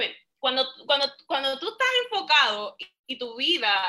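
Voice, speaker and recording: Energetic and raised, a woman projects her voice with a bright, sharp tone. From Puerto Rico. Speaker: fitness coach, trained nurse. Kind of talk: motivational interview. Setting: conference call.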